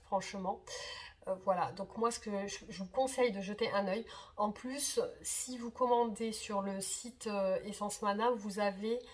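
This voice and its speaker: Slightly hoarse woman, hesitant chat. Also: medium pitch. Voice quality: husky. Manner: hesitant, many fillers and repeated words. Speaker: tarot reader and channel host. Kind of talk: casual direct-to-camera chat.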